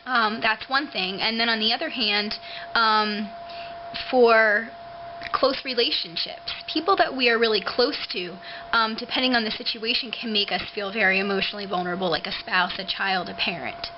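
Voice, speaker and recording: A woman vlogger talking casually and haltingly to her webcam, with drawn-out, hissing s sounds like a lisp. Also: mid-range voice. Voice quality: lisping, hissy drawn-out s sounds. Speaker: video blogger. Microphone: webcam microphone. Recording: noisy dull webcam audio, hissing sibilance.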